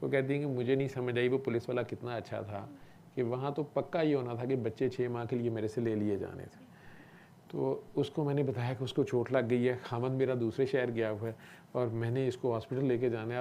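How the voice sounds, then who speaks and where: A man telling a long personal story in a relaxed, conversational way. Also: medium pitch, slight background noise. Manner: relaxed conversational, often asks "okay?". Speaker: doctor. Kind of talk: casual storytelling talk.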